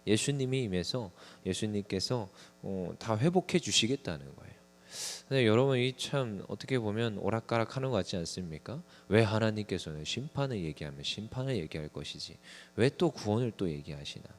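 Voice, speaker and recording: A man's voice: lowish voice, brisk. A young man preaching a conversational sermon to a small congregation, acting out little scenes as he goes. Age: young adult. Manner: conversational, lively sermon with acted asides to the congregation.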